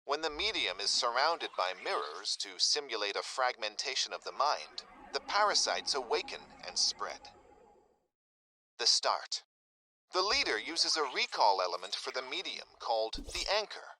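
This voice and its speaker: Game narration: a measured clinical reader, very bright tone, lively pitch, faint hiss. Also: male voice, rough recording. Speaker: document narrator. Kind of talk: read-out document narration.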